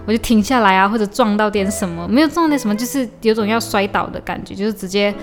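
A woman's voice: medium pitch, fast, faint music behind. Chatty young woman. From Malaysia. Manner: chatty, lots of restarts, mixes in English. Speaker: podcast host. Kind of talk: casual diary-style storytelling. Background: faint lo-fi beat.

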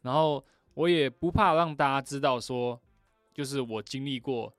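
Relaxed man. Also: mid-range voice, moderate pace, no echo, studio quality, faint music behind. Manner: relaxed, reflective, laughs easily. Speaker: singer-songwriter guest. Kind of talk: casual conversation.

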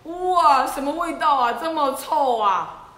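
A woman's voice: high voice, lively intonation, normal speed, a bit bright, roomy sound. A woman voicing a kind male giraffe in a children's story, cheerful and surprised.

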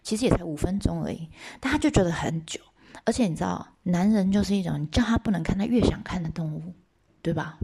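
A woman teaching a myth as a lively, chatty storytelling lesson with asides to listeners. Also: on the low side, fast talker, creaky, breathy edge.

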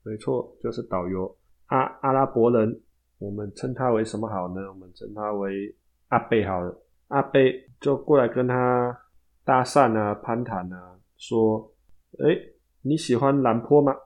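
A man's voice: fairly low pitch, normal speed, lo-fi sound. A man with a Taiwanese Mandarin accent hosting a storytelling podcast, narrating casually with chatty asides to his listeners.

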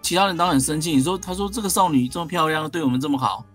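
A man's voice: fairly high pitch, rapid-fire, faint music behind. A man, casually retelling a classic story as a guest and acting out the quoted characters. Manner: animated, acts out quoted characters.

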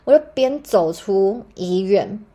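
A young woman with a Taiwanese Mandarin accent, hosting a podcast and telling a personal story in an animated, dramatic way with casual swearing. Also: medium pitch, slow pace. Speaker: podcast host.

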